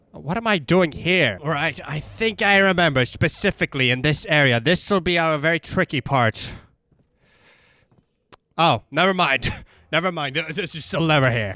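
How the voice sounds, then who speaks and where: A man giving casual gameplay commentary in a rambling, irreverent, animated way. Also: on the high side. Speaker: video game streamer.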